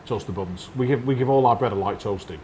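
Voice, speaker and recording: Brief: firm, no-nonsense owner in his 40s, low voice, lapel mic, faint restaurant hum. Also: fast talker, mellow. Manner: blunt, firm, matter-of-fact. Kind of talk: casual interview. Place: restaurant dining room.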